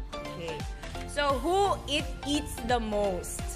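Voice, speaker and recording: A woman talks while clear music is heard in the background. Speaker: vlogger host. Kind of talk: casual talk, hosting a family game. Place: home room.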